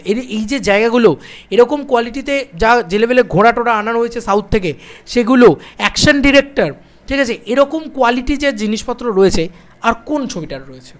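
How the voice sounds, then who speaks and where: A young man chatting to camera as a film vlogger, excited and piling up repeated phrases. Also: high-pitched. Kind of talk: casual direct-to-camera film chat.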